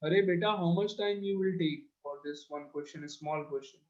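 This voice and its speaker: A man's voice: a little high, a little fast. A male maths teacher with a South Asian accent leading an online class, prodding pupils and repeating his instructions. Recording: dull lo-fi online call audio.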